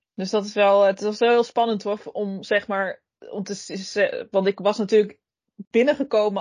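A woman with a medium pitch talks at a moderate pace against a quiet background. It is an unremarkable speaking voice. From eastern Netherlands (Enschede, Twente). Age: 20s. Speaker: youth foundation staff member and podcast co-host. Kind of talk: casual conversation.

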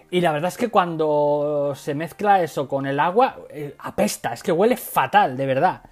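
A man talks at a fairly slow pace with hardly any pauses, his pitch fairly high and his pitch variation ordinary. Noticeable background noise sits behind him. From Extremadura, Spain (Badajoz). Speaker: travel podcaster. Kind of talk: casual monologue. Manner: animated.

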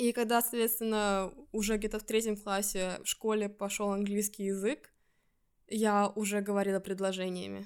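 At a moderate pace, a woman speaks in a monotone, flat intonation. Her pitch is medium and her loudness very even. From Estonia, Russian-speaking family, small town. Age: 20s. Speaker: podcast co-host, translator. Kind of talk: casual chat.

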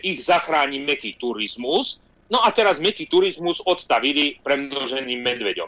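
Here a man speaks with a bright, sharp tone. His pace is moderate. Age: 40s. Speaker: hunter and politician. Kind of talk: radio interview. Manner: animated.

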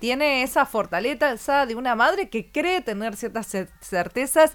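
The intonation here is lively. A woman delivers her words at a moderate pace. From Argentina, Buenos Aires area (Martínez). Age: 40s. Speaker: film director and producer. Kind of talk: interview. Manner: halting, many fillers and repetitions.

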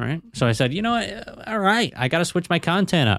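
With an animated tone and very wide pitch swings, a man speaks on a very clean recording with a silent background. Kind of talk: motivational rant. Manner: animated, loud, punchy and blunt, with laughs; direct, confrontational address to the listener.

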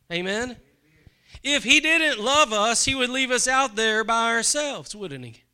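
A man's raised, projected voice, high in pitch and bright, sharp in tone, with very wide pitch swings at a fairly slow pace. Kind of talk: sermon. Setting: church. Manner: animated, emphatic preacher's cadence, repeating phrases and pressing points with "Amen?"; rhythmic and repetitive, building each point by hammering the same phrase.

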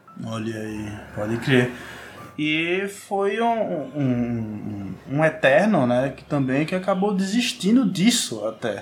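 A man's fairly high voice at a very slow pace, with very wide pitch swings, audible room echo and noticeable background noise. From Brazil. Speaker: podcast co-host. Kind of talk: casual chat.

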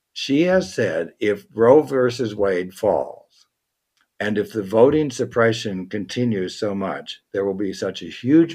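With a Midwestern American accent, a man speaks fairly slowly at a fairly low pitch, his intonation lively against a quiet background. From US Midwest, southwestern Michigan. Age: 70s. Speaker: retired English teacher. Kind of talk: interview.

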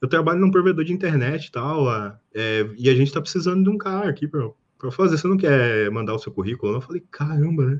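Speaking very fast, a man with a fairly high pitch sounds somewhat breathy, his intonation lively. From Brazil, Petrópolis, Rio de Janeiro state. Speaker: cloud engineer. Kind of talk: casual interview chat. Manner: halting, many repetitions.

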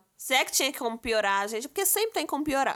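Raised and projected, a woman's high voice has a bright, sharp tone and very wide pitch swings. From Rio de Janeiro, Brazil. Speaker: podcast co-host. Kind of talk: casual chat. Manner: animated.

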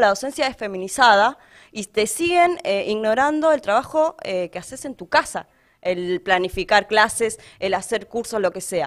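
A woman speaks in a fairly high voice at a moderate pace. Her pitch swings very widely, and the recording is very clean with a silent background. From Argentina, Greater Buenos Aires (La Matanza). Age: 20s. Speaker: teacher and local election candidate. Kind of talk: interview. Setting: studio.

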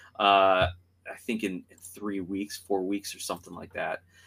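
This is a very clean recording with a silent background. The voice carries an American accent. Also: man. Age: 30s. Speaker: soccer podcast host. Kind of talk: casual sports chat.

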